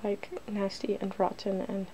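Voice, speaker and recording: Bright-voiced woman doing chatty ASMR. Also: mid-range voice, completely flat delivery, a little slow, slight background noise, low-quality recording. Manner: giggly, chatty, drifts into whispering. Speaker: ASMR video host. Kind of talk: casual ASMR makeup demonstration.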